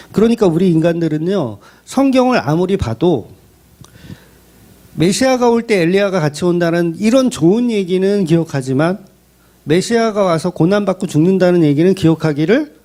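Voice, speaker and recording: A male pastor preaching a sermon in an animated way, asking his listeners rhetorical questions and acting out quoted voices. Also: high-pitched, moderate pace. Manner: asks the congregation rhetorical questions.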